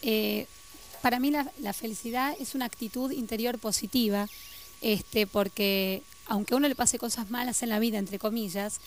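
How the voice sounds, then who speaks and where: A woman's voice: a little high, fairly even intonation, normal speed, a little hiss or hum. A woman in a talk-show audience giving her opinion hesitantly, with fillers. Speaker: audience member. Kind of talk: casual remark on a talk show.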